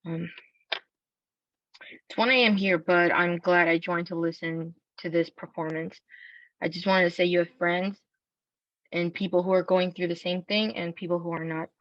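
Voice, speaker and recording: Even, lowish-voiced woman on call audio. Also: moderate pace, long pauses, no room sound. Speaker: audience member. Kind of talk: earnest informal comment. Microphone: video call. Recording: dull, lo-fi video call audio.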